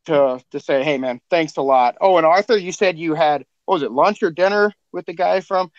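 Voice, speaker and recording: A laid-back man hosts a podcast chat, joking and laughing with his guests. His voice sits a little high. The sound is dry and somewhat muffled, like a remote call. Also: moderate pace, no room sound. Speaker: podcast host. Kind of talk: casual chat.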